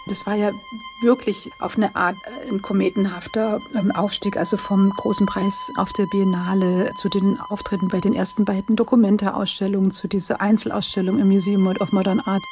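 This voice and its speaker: A woman's voice: medium pitch, big pitch swings, normal speed, music in the background. A woman museum director speaking in an interview, thoughtful with frequent hesitations. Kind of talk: interview excerpt.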